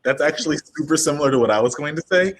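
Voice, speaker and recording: A man's voice: a little high, lively intonation, rapid-fire, a crowd in the background. A man speaking casually as a writer on a discussion panel, offering advice. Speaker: audio drama writer and panelist.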